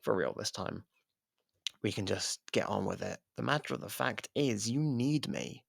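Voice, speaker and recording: Man acting a gravelly, taunting jailed killer. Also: on the low side, expressive, no echo, exaggerated voice. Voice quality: gravelly, husky. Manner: taunting, theatrical, drawn-out pauses. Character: taunting, sardonic imprisoned murderer baiting a detective. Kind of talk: ASMR roleplay monologue. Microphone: close microphone, dry.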